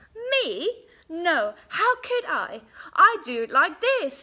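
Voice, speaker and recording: A woman's put-on character voice, extremely high-pitched, with very wide pitch swings, a very slow pace, and a raised, projected delivery. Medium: read story. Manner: dismissive.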